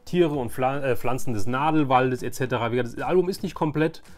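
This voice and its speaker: A man's voice: medium pitch, a little fast, faint music behind. A man in his forties talking to viewers in a casual, nostalgic vlog style, informal, rambling and enthusiastic. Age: 40s. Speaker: video host.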